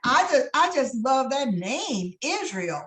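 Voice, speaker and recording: A woman's voice: high-pitched, big pitch swings, takes it slowly, a bit bright. An older woman in a senior writing class, talking with enthusiasm and admiration. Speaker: class participant. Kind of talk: casual group talk. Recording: roomy room.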